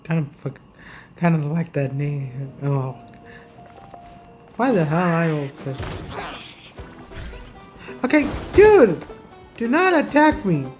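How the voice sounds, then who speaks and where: A woman's voice: deep voice, sing-song, takes it slowly, pauses often, a little mellow, soft background music. A woman gamer giving casual, reactive commentary as she plays, blunt and given to repeated exclamations and muttered asides. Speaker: gaming streamer.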